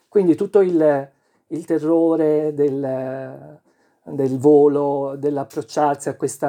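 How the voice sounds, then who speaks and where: A man's fairly high-pitched voice with a dark, mellow tone over a quiet background. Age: 50s. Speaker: music presenter at a themed evening. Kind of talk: live talk with slides. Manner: halting.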